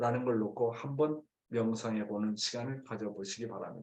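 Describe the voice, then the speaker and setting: A man speaking at a moderate pace with ordinary pitch variation, and audible echo in the room. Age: 60s. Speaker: church minister. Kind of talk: sermon.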